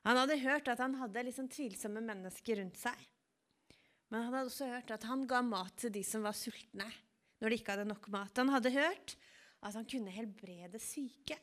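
Woman retelling a Bible story from the pulpit. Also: a little high. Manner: calm, vivid storyteller. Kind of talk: storytelling sermon.

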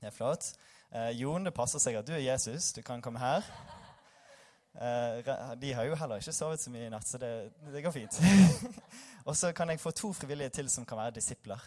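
A young man gives an easygoing sermon in a church hall. He sounds tired after a short night, and he jokes at his own expense and chats with the congregation. His voice sits at an ordinary middle pitch. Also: darkish tone. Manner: self-deprecating, joking, chatty with the congregation. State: tired after little sleep. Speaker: preacher. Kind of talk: informal sermon with scripture reading.

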